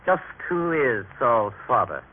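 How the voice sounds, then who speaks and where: A man's voice: mid-range voice, sing-song, slow, phone-quality sound. An actor playing a proud, emphatic family father in an old radio drama, with a theatrical, paternal manner. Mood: indignant, stern. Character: proud, stern, affectionate husband and father, prejudiced. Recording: noisy, band-limited vintage radio recording.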